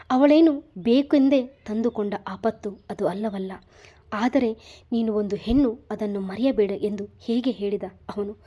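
Female storyteller, expressive scripted narration, mellow tone. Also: medium pitch, muffled recording. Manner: dramatic, expressive reading.

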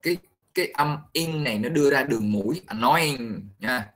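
A man's voice: medium pitch, a bit bright, low-quality recording. Patient male teacher. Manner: patient, pausing often to explain slowly. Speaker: English pronunciation teacher. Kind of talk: classroom instruction mixing Vietnamese and English.

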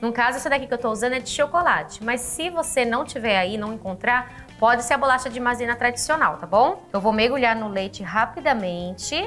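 Chatty higher-voiced woman cooking host. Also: fairly quick, hardly any pauses, fairly bright tone, soft background music. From Brazil. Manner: chatty, affectionate, calls viewers "my loves". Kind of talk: upbeat recipe tutorial. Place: home kitchen, indoors.

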